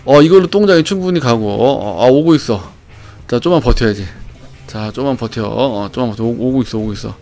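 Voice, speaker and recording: Excitable thirties male streamer, loud, laughs a lot, headset. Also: mid-range voice, brisk. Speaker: game streamer. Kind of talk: casual live-stream chat. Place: small home room. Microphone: headset mic.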